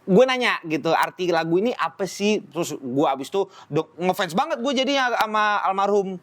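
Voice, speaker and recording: Man, young adult, Medan-style accent, high-pitched, animated storyteller, slangy podcast guest. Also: fairly quick. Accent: Indonesian with a Medan-style lilt. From born in Spain, raised in Bali. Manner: animated, slangy, jumps into voices and sung bits. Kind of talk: casual storytelling chat.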